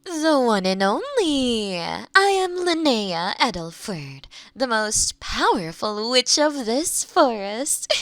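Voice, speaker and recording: A woman playing a kind, playful young witch who lives alone in the forest, speaking gently and teasingly to the listener in a roleplay audio drama. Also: fairly high pitch, very animated, no echo, full character voice. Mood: playful, welcoming. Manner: gentle, unhurried, teasing, with soft chuckles.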